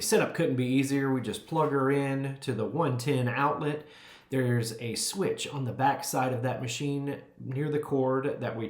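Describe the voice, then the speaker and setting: American man, middle-aged, jolly grill dad, folksy, emphatic hype, how-to pitch style. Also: reverberant. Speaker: barbecue cooking vlogger and host. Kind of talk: upbeat how-to cooking vlog with sales pitch.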